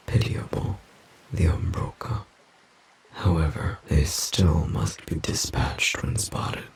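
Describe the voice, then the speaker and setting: Very slow, gravelly forest demon. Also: male voice, deep voice, darkish tone, full character voice, poor audio. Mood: somber, resolute. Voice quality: gravelly, breathy, husky whisper. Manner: slow, formal, grave, measured. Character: ancient solemn male forest demon guardian. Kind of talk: audio roleplay acting.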